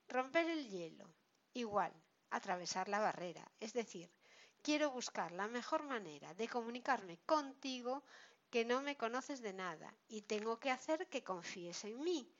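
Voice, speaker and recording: Woman, Spain Spanish accent, language teacher, slow careful delivery, dull lo-fi sound. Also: fairly high pitch. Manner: slow, careful, explains each phrase. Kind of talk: reading a lesson aloud. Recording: dull lo-fi recording.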